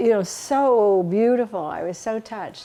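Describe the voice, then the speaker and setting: A woman talks at a very slow pace with a fairly high pitch. Music plays in the background. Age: 70s. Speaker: gallery founder. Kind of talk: interview.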